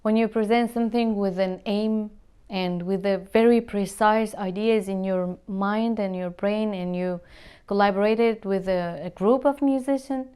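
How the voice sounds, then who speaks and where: A woman's voice: mid-range voice, a little slow, mellow, clean tone. A woman from Syria, a musician, speaking English in an earnest interview and searching for words as she talks. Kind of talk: interview answers to camera.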